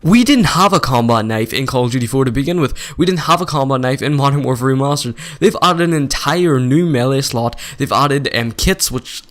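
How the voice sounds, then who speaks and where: A man's voice: mid-range voice, animated, fairly quick, few pauses, fairly bright tone. A man with a sore throat from an infection, giving his rambling, opinionated take in a casual gaming vlog. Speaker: gaming YouTuber.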